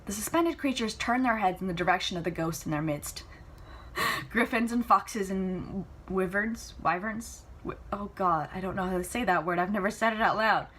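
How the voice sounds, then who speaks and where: A woman's voice: mid-range voice, moderate pace, fairly bright tone. Woman narrating a story, noisy home recording. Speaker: amateur book reader. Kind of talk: storybook narration with casual asides.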